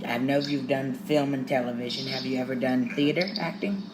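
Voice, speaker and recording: A man's voice: medium pitch, steady tone, a little fast, music in the background. A man from Louisiana with a strong Southern accent, hosting an interview in a friendly way and often agreeing. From Louisiana, United States. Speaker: podcast host. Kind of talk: podcast interview.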